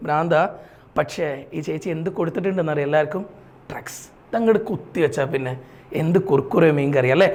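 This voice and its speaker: A man teaching an exam-prep lesson, spinning silly mnemonic stories and calling his students "children". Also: sits high. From Kerala, India. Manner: chatty storyteller, calls students "children" affectionately.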